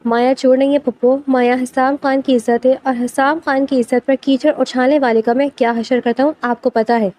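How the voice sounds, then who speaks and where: A woman's voice: high-pitched, flat delivery, hardly any pauses, darkish tone, close to an everyday voice. A woman voicing a stern, protective young man who speaks in curt, commanding lines. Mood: cold.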